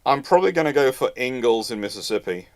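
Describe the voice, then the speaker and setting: A man's voice: medium pitch, animated, quick pace. Rambling man hosting a live chat. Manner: rambling, repeats and rephrases himself. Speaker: host answering audience questions. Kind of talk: live question-and-answer chat on naval history.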